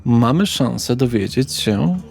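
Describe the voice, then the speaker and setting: Man, creaky fry in the voice, dramatic deliberate game master, music underneath. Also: mid-range voice, animated, a little mellow. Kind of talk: tabletop horror roleplay narration, theatrical storytelling.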